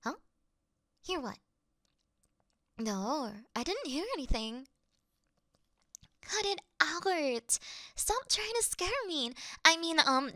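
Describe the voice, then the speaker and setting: A woman's voice: extremely high pitch, sharp tone, no room sound, clean studio sound, heavily acted. A woman voicing a clumsy, easily scared young female thief who acts tough in an ASMR roleplay, flustered, pouty and stammering.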